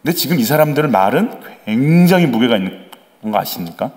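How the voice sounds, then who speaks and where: A man's voice: mid-range voice, fairly quick. A man preaching a sermon as the pastor of a church, asking the congregation questions and acting out voices. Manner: animated, acts out quoted voices; conversational, asks the congregation questions.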